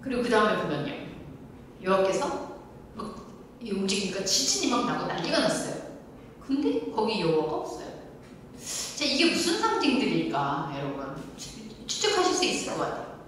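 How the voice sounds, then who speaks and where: A pastor delivers a sermon in a church sanctuary, her mid-range voice animated as she tells stories at a moderate pace and asks the congregation questions. The recording is echoey and distant, with faint room noise.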